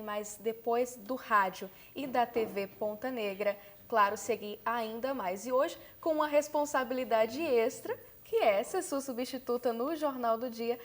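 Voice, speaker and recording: A young adult woman journalist chatting on a TV talk show in a poised, measured announcer manner. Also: on the high side. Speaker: TV and radio journalist. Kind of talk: casual TV talk show chat.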